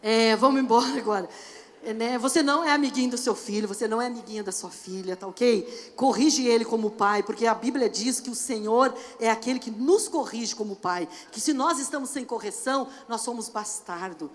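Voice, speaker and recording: Pastora do sul do Brasil, voz aguda, pregação animada e coloquial. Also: female voice, on the high side, fairly quick. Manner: animated and conversational, often asks the audience "entendeu?". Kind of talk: sermon. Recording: long church reverb.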